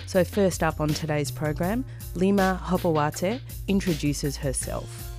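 A woman hosting a radio program, introducing the topic in a measured, formal way and then interviewing a guest. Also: fairly low pitch, darkish tone, soft background music. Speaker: radio show host.

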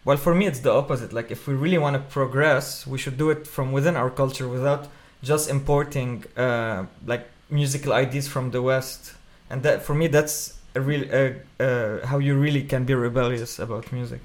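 A man from Lebanon, a musician, talks as a guest in a radio interview. His pitch is mid-range for a man. He speaks thoughtfully and often pauses to find the right words. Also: fairly even intonation. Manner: reflective, searching for words.

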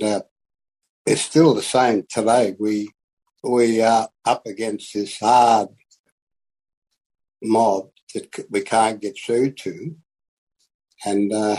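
An older man speaks with an Aboriginal Australian accent in a dark, husky voice. He takes his time, very slowly, halting between phrases. His delivery is plain-spoken, unscripted personal testimony. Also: on the low side, low-quality recording. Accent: Australian Aboriginal English. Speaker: community elder and land activist.

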